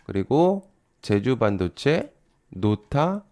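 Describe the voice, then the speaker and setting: A man's voice: medium pitch, very animated, extremely slow, a little mellow, slight background noise. A man giving casual stock market commentary, talking through picks with frequent fillers and rhetorical questions to the viewer.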